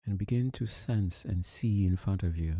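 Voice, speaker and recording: A man leading a guided meditation as a teacher, speaking calmly and soothingly with long, deliberate pauses. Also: deep voice, dry recording, clean studio sound.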